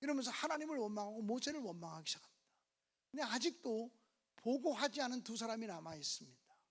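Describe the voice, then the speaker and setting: Woman guest preacher, high and highly expressive, dramatic revival sermon. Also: fast. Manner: dramatic, acting out biblical scenes with sudden rises in pitch and loudness. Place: church.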